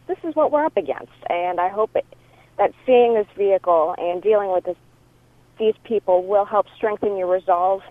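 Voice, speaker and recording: A woman's voice: mid-range voice, no room sound. A woman caller leaving a casual voicemail message over a muffled phone line. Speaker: listener calling in. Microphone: telephone.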